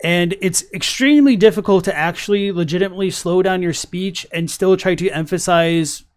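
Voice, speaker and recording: A man with a fairly high, slightly raspy voice hosts a livestream. He talks in a loose, casual podcast style with a joking, self-deprecating manner. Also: fairly quick. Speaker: livestream host.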